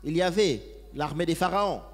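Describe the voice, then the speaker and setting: Male sermon interpreter, fairly high voice, follows phrase by phrase, echoey hall. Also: animated, normal speed. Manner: follows each phrase closely, with occasional hesitations.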